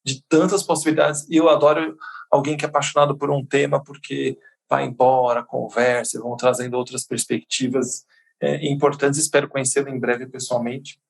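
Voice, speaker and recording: A man's voice: mid-range voice, flat delivery, moderate pace, gravelly. A man hosting a podcast interview in a casual, effusive way that often repeats words. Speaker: podcast host.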